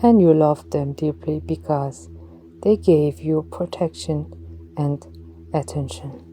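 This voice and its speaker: A woman leading a guided meditation in a slow, soft voice, some words dropping to a breathy whisper. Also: deep voice, a little hiss or hum.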